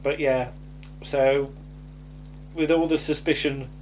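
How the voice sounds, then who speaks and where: A man's voice: medium pitch, fairly even intonation, slow pace, darkish tone, a little hiss or hum, poor audio. A man with a slight lisp, casually recapping a sitcom episode and hesitating with many ums and restarts. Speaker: podcast co-host.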